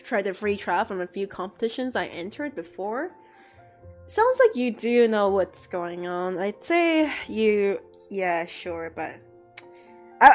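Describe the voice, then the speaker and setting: A woman chatting casually with her livestream audience, talkative and given to mock-dramatic outbursts. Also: mid-range voice. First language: English. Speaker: art streamer answering chat.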